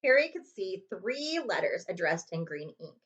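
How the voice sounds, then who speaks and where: Expressive woman reading a children's book aloud. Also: on the low side, moderate pace, muffled recording. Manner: expressive, dramatic emphasis. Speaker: librarian reading aloud to students.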